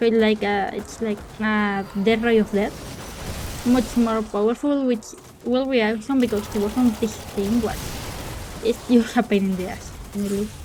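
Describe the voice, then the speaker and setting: A woman with a Spanish accent talks at a fairly quick pace, her pitch fairly high and her intonation fairly even. Noticeable background noise is present. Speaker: video game streamer. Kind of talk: live gameplay commentary.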